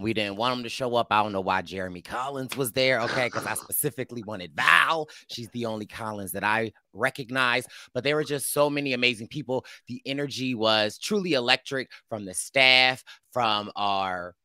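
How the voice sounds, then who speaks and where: A man hosting a casual podcast chat, playful and quick to laugh, his voice a bit raspy this week. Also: lowish voice, no echo, studio quality. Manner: lively, laughing, playful teasing. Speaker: podcast host.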